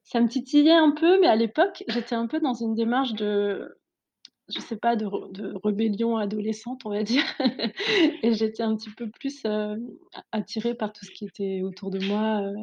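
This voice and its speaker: Laughing French woman, dark lo-fi sound. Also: on the high side, slight background noise. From France. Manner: laughs often, many fillers and restarts. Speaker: Ayurvedic therapist, guest. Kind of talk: casual interview.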